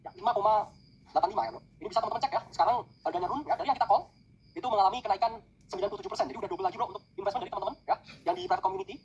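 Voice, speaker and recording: A man's voice: high voice, a little mellow, slight background noise, poor audio. A man rattling off crypto trading calls in a casual podcast chat, mixing English trading jargon into his talk.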